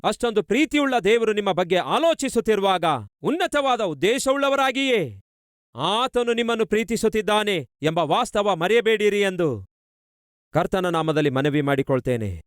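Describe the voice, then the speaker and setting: Male pastor, Kannada accent, repetitive rhetorical preaching, high voice, close dry sound. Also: no echo. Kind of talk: sermon.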